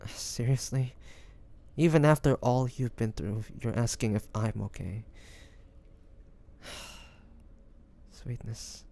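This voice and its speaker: A man's voice: mid-range voice, takes it slowly, long pauses, warm tone. A man playing a devoted, anxious young man caring for a wounded loved one, tender and hesitant, in a romantic audio roleplay. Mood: relieved, loving. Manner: tender, hesitant, breathy sighs, addressing the listener. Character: devoted, anxious young man tending his wounded dragon-shifter beloved.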